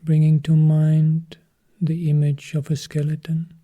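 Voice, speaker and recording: A man, a Buddhist monk, guiding a meditation in a calm, measured way, with long pauses and a soft, often half-whispered voice. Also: fairly high pitch. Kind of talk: guided meditation instruction.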